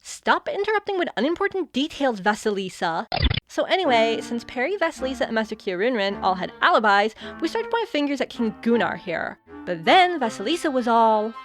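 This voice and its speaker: A woman plays a breezy teenage girl who loves the stage. Her high voice swings freely as she chatters in slangy, dramatic fashion, with clear music behind her in an audio comedy. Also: big pitch swings, fairly quick. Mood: breezy storytelling.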